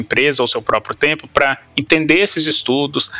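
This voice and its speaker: A man speaks at a fairly quick pace with a fairly high pitch. Music plays in the background. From Brazil, Belo Horizonte (Minas Gerais). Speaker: cognitive psychology researcher. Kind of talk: casual interview.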